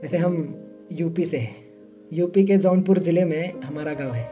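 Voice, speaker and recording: Faint music plays behind this dull-sounding clip of a young man from Uttar Pradesh, India, lightly acting a scripted monologue. His slightly high, warm voice moves at normal speed as he plays a shy, earnest engineering student from a village, hesitant, filler-heavy, and wryly self-mocking.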